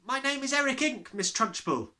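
A man's voice: very high voice, animated, moderate pace, sharp tone, pitched above the performer's own voice, heavily acted. A man voicing a brave but nervous little schoolboy from a storybook, earnest and easily flustered. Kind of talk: storybook character reading.

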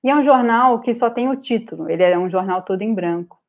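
A woman with a Brazilian Portuguese accent giving an online lecture over slides, pausing often with fillers and restarts. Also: a little high, muffled recording. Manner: hesitant, many filler "é" and restarts. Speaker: guest speaker on art publishing. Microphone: video call webcam.

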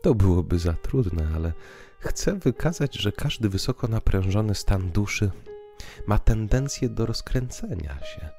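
Guy doing a thoughtful earnest lady in an audio play, lilting slow delivery, music behind. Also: on the low side, expressive, creaky, warm tone. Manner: earnest, literary. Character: Imogena, thoughtful earnest woman, sighing storyteller. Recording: piano music underneath.

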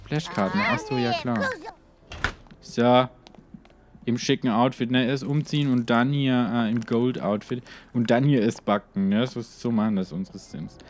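A let's player provides commentary on a life-simulation game, rambling casually, talking to the game characters constantly, and ending his sentences with fillers like "hier" and "ne." His voice is medium-pitched and steady at a normal speed, with a slight hiss or hum in the recording.

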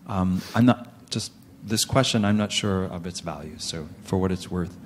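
A man from the audience with a soft voice, asking a question tentatively and modestly. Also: low-pitched, moderate pace, a little hiss or hum. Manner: tentative, self-deprecating. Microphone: handheld microphone.

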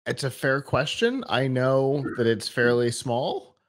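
A man hosting a tech show, interviewing a guest in a relaxed, conversational way, recorded in a studio. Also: mid-range voice, measured pace. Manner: relaxed, conversational, with restarts and short acknowledgements. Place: studio with a screen behind.

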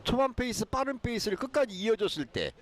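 A man's voice: very high-pitched, big pitch swings, fast talker. A man giving live athletics commentary as an analyst, explaining things with emphasis.

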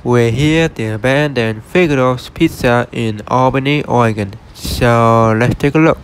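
Guy filming an empty store on his phone, low-key walkthrough talk, mid voice, bit of faint noise behind. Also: normal speed. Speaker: vlogger touring empty buildings. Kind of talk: casual walkthrough narration. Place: empty store and parking lot.

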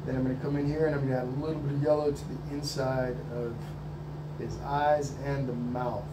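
Inside an art studio, a painting instructor with a slight cold leads a live lesson, reading viewer comments aloud and encouraging them. His mid-range voice is level and fairly quick, with a noisy background.

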